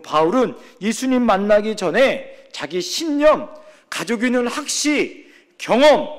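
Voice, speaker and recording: A male pastor preaches a Sunday sermon in a notably high voice for a man. He speaks with strong emphasis and keeps drawing responses from the congregation. The delivery is lively and direct. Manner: emphatic, often prompts the congregation with "예?".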